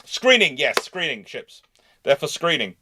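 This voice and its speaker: A man's voice: a little high, big pitch swings, unhurried, noisy background. A man hosting a live history question session, talking discursively and repeating phrases as he searches for words. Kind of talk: live question-and-answer, thinking aloud.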